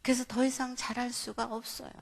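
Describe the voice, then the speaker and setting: Middle-aged woman pastor, gravelly and fairly high voice, animated sermon storyteller. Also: brisk. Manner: animated storyteller, acts out dialogue with big swings in loudness. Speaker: pastor and seminar speaker. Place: church hall at an evening revival meeting.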